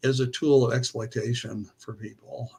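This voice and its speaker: The speaker is a man with a somewhat breathy voice. He keeps to a moderate pace. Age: 70s. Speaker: caller on a livestream. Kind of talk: casual debate. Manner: halting.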